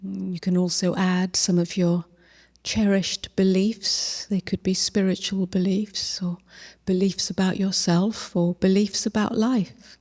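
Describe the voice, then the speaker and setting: A woman leading a guided meditation as a teacher, gentle and unhurried, with long pauses and soft, breathy phrase endings. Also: mid-range voice, flat delivery.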